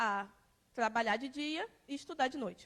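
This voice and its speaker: A woman with a Rio de Janeiro accent speaks at a high pitch and fairly slow pace, with ordinary pitch variation. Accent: carioca. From Rio de Janeiro, Brazil. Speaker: technology professional and speaker. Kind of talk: lecture. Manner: casual, animated storytelling.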